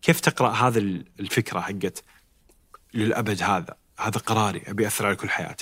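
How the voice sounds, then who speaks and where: A man's fairly low voice with a bright, sharp tone, at a moderate pace with long, frequent pauses and ordinary pitch variation, dry and close with no echo. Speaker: podcast host. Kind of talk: interview conversation.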